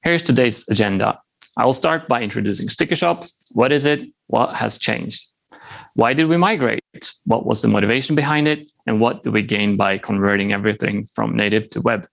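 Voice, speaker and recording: A Norwegian software developer in his thirties, a native Norwegian speaker, gives a friendly conference presentation with light humor. His mid-range voice is a bit bright with some vocal fry, and he speaks at a moderate pace.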